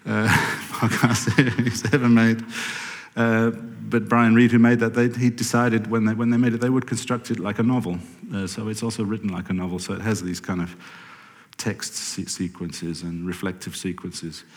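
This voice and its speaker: Rambling man talking in a hall. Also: on the low side. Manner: rambling, self-correcting, wry asides. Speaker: podcast producer giving a talk. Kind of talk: conference talk. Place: lecture hall with audience. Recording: reverberant hall.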